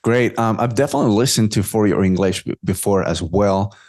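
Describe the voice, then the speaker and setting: A man's voice: on the low side, brisk, a little mellow, no room sound, studio quality. A man hosting a podcast interview, affirming his guest and asking long, framing questions. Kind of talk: casual interview.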